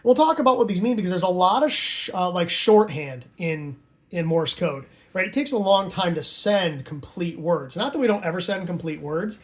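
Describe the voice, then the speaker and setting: High-pitched man giving an informal tutorial. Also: lively intonation, moderate pace. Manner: conversational, checks understanding with tags like "right?" and "okay?". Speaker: amateur radio hobbyist teaching Morse code.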